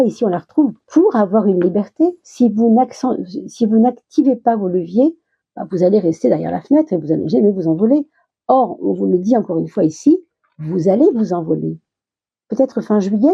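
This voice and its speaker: A woman giving a casual tarot reading to her viewers, chatty and reassuring with many little restarts, her words a bit slow while she gets over a minor illness. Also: medium pitch, creaky, mellow, slightly rough, dull audio. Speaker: tarot reader.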